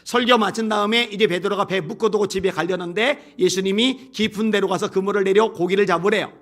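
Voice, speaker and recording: Male pastor, high voice, strained throat, reads scripture then talks it through. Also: fairly quick. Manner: reads scripture loudly, then explains in plain conversational asides. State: bronchial trouble, strained voice. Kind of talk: sermon with scripture reading.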